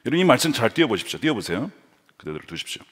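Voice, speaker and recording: Animated Korean pastor preaching in a hall. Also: male voice, medium pitch, very fast, husky. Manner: lively, voices the tempter and quotes in dramatic tones. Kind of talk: sermon. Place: church sanctuary.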